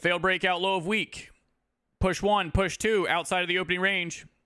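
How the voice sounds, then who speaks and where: Projecting a raised voice, a man speaks high and in a bright, sharp tone at a very even loudness, on a very clean recording with a silent background. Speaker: trading educator. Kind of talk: live stream chart analysis tutorial. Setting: live stream with chat. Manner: fast; casual, filler-heavy.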